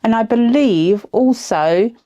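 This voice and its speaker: A woman with a cold, sounding croaky, chatting her way through a craft tutorial voice-over with friendly little asides. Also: on the high side, lively intonation, slow pace, dark tone, dull audio. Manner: chatty, self-deprecating asides. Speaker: resin craft video host.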